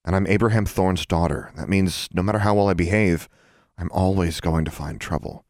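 A man's voice: low voice, fairly even intonation, brisk, darkish tone, no echo, clean studio sound. A man voicing a bold, independent young witch girl in a matter-of-fact way for a storybook. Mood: resolute.

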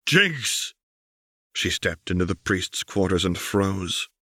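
Low-pitched man narrating, bright and dry. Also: monotone, a little slow, dry recording. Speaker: audiobook reader. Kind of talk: scripted dramatic story narration.

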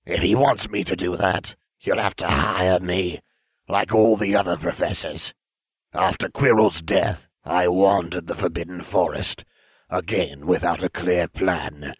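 A man voicing a disembodied, pompous and deadpan villainous dark lord in a storybook narration. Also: low voice, measured pace, breathy edge, dry recording, studio quality. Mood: haughty. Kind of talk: fan fiction audio storytelling.

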